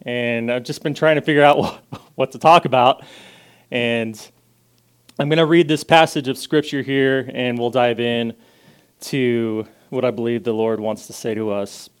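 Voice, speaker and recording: A man preaching a sermon in a casual way, reading scripture with rising emphasis and then praying softly. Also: mid-range voice, fairly even intonation, moderate pace, clear, resonant tone. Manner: loud, casual and self-deprecating, reads scripture with rising emphasis, prays softly. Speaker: guest preacher.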